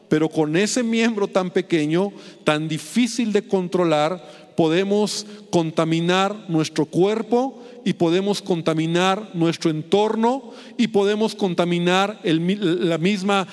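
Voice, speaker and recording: A man's voice: sits high, a little mellow, in a large hall. A middle-aged man preaching a sermon, chatting with the congregation and checking in with constant tag questions.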